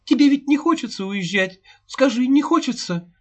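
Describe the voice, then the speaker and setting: A woman's voice: lowish voice, expressive, slow, pitched above the performer's own voice. A man voicing a distraught peasant mother who is sick and bitter, pleading and wailing. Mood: sobbing. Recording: dull lo-fi recording.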